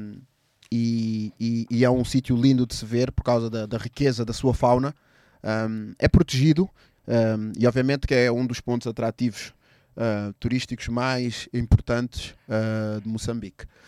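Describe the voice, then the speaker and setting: A man's dark, mellow voice at medium pitch, fairly slow and monotone, with big swings in loudness, in a very clean, silent recording that is dry and close with no echo. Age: 30s. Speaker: podcast host. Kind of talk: casual interview.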